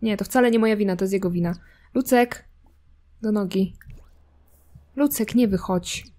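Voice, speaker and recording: A woman's voice: medium pitch, normal speed, warm tone. A woman casually commenting while playing a life simulation game, chatty and teasing, talking to her characters and their cat. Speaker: gameplay streamer.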